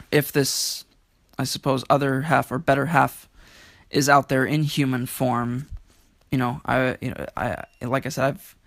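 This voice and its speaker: A man's voice: mid-range voice, no room sound, studio quality. A man speaking in an earnest, reflective way as a guest poet. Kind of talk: earnest conversational talk and poetry reading.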